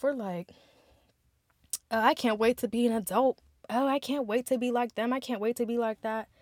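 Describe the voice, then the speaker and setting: A woman's voice: fairly high pitch, no echo, studio quality. A twenty-one-year-old woman hosting a podcast, speaking candidly and heartfelt straight to her listeners in a casual monologue. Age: 20s. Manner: candid, heartfelt, chatty, addresses listeners directly. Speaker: podcast host.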